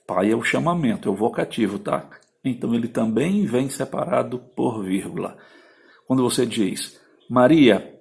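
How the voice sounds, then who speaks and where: Gravelly-voiced man teaching a grammar lesson. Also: mid-range voice, darkish tone. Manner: explains patiently, checks in with "tá?".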